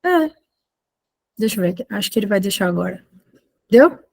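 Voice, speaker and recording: A woman from Argentina with a mid-pitched voice gives an informal presentation of her work over a video call. She talks conversationally, stopping and starting and drifting into small asides. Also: big pitch swings, a little fast, vocal fry, a little mellow. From Argentina, living in Brazil. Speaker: photojournalist giving a talk.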